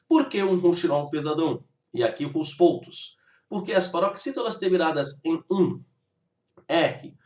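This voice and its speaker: A man's voice: fairly high pitch, reverberant. A man teaching a grammar lesson, explaining rules step by step and often checking in with his students. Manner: explanatory, keeps checking in with "tá bom?".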